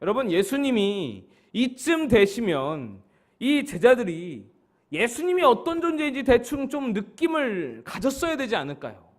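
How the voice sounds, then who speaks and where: A male pastor explaining scripture at a church Bible study, with a fairly high voice. His pitch swings widely as he presses key points, and he returns often to a patient, explanatory tone. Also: very animated, unhurried. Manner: explanatory, rising emphatically on key words.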